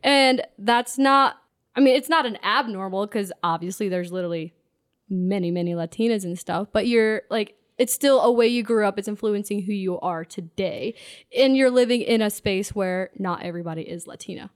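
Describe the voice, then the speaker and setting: A woman's voice: mid-range voice, normal speed. A young woman raised in an Amish community, co-hosting a podcast with an upbeat, encouraging casual chat. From Amish community, United States. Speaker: podcast co-host.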